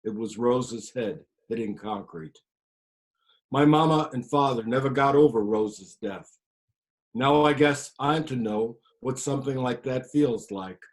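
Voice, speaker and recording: Male actor as an older farm grandfather in mourning, plainspoken, keeps his voice low, mid pitch. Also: a little slow, close to an everyday voice, low-quality recording. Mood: grieving. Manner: quiet, subdued storytelling. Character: grieving old farmer grandfather, plainspoken. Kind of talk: one-man stage play monologue.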